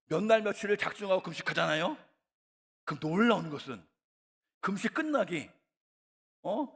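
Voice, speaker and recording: High, lively preacher in a big reverberant hall. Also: male voice, moderate pace, husky. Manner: animated storytelling with rhetorical questions. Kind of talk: sermon. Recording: long reverb of a large hall.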